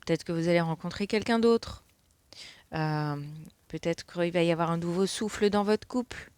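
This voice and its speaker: A woman's voice: lowish voice, moderate pace, a little mellow, smooth, no echo. A middle-aged woman giving a casual spoken card reading, rambling with many fillers. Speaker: tarot card reader.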